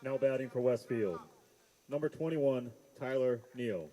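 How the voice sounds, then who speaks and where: A man announcing players over a PA loudspeaker, with formal and measured introductions. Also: mid-range voice, poor audio. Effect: heard over a PA loudspeaker. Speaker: stadium announcer.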